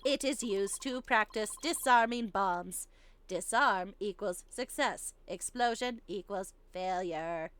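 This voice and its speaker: A woman's voice: mid-range voice, slow pace, a bit bright, slight background noise. A woman voicing a precise, robotic bomb technician witness in terse, clipped phrases for a video game read-along. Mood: clipped, exact.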